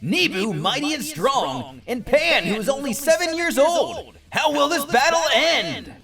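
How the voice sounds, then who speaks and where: A man voicing an excitable male tournament announcer, proclaiming each match and drawing out the names. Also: full character voice. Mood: excited, hyped. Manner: booming proclamations, drawn-out names. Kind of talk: ring announcing.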